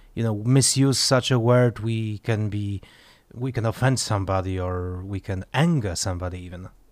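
A man with a Polish accent talks at a moderate pace. The recording is very clean, with a silent background. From Poland. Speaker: podcast host. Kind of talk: interview.

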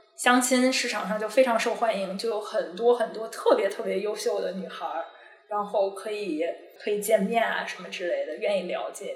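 A woman talks at a moderate pace in a room with audible echo and noticeable background noise. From Beijing. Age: 20s. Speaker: private equity professional. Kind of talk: casual chat.

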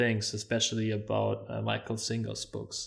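This man talks with a non-native accent. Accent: non-native English, good. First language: German. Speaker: podcast host. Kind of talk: interview. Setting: remote call.

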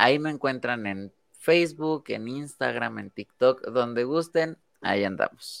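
A man has an ordinary speaking voice at medium pitch with ordinary pitch variation. He talks at a fairly slow pace, recorded with a dry, close sound and no echo. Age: 20s. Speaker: podcast co-host and harpist. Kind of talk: casual interview.

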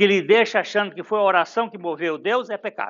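This man's pitch sits high for a man. His pitch variation is ordinary. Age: 70s. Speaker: preacher. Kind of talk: sermon.

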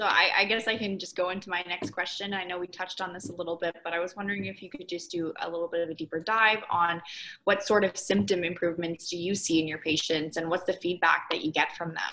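A woman with a fairly low voice talks very fast with hardly any pauses and fairly even intonation, against noticeable background noise. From Toronto, Canada. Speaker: co-host.

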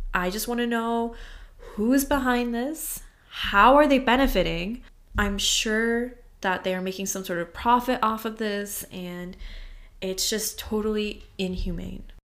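A woman speaks at a fairly slow pace with an American accent, her pitch fairly high and its variation ordinary. It is a normal speaking voice. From US. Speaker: activist. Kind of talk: interview discussion about current events.

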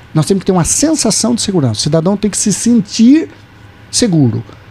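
A man talks at a moderate pace, his pitch rising and falling very widely. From Piracicaba, São Paulo state, Brazil. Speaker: state legislator, former mayor. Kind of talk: interview. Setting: studio. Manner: hesitant, many fillers.

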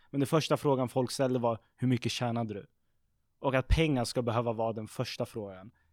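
In an ordinary speaking voice, a man talks at a fairly quick pace and medium pitch with fairly even intonation, in a dry, close sound with no echo on a very clean recording with a silent background. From Sweden, Södertälje. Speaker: entrepreneur. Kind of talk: casual chat.

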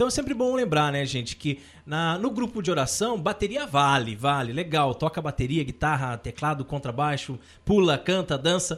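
This man has a fairly high pitch, lively intonation and an unremarkable speaking voice, and he talks at a moderate pace. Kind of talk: religious talk show. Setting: studio.

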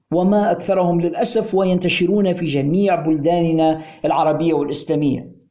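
This man's voice is high-pitched, moving at a moderate pace with fairly even intonation. He hardly pauses, and the room echo is audible. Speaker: wrestling podcast host. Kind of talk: impassioned appeal; casual podcast monologue.

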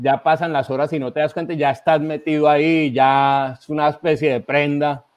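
A man with a normal speaking voice, fairly high pitched, at a fairly slow pace. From Colombia, Risaralda and Antioquia (Envigado). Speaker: writer. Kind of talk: casual interview conversation.

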